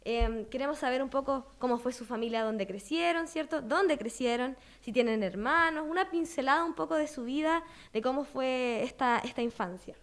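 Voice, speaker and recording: Woman host, fairly high voice, friendly prompting questions. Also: normal speed, few pauses. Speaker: podcast host. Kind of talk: interview questions.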